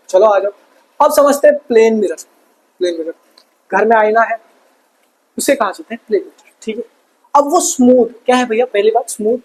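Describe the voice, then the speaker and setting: A man's voice: very high-pitched, a little mellow, poor audio. A male teacher with an Indian accent giving an exam revision lesson, cracking jokes and constantly asking his students questions. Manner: joking, calls himself bhaiya, keeps asking students questions.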